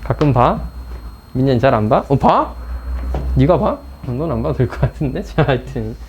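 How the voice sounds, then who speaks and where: A man's voice: mid-range voice, very animated, moderate pace, a little mellow, slight background noise. A man teaching a math class, joking and teasing his students as he explains. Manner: teasing, chatty, talks straight to students. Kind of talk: classroom lecture.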